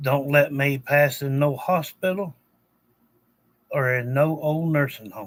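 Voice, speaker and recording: With a Southern US accent, a man speaks at a fairly slow pace and fairly high pitch, with ordinary pitch variation and long, frequent pauses, on a very clean recording with a silent background. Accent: country Southern. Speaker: vlogger. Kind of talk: personal monologue to viewers. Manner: halting.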